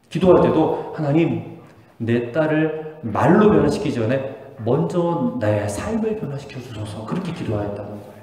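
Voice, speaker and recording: A male pastor preaching a sermon in a church sanctuary, his fairly high voice leaping up in emphasis and sinking to near whispers. Everything rings out with a long, roomy hall reverb. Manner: earnest preaching with emphatic rises and soft drops.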